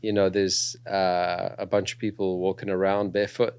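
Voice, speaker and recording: Here a young man with a South African accent, touched by New Zealand, is interviewed casually on a podcast and tells his story in a relaxed way with plenty of fillers. His low-pitched voice moves at a moderate pace, clear and resonant, with no echo.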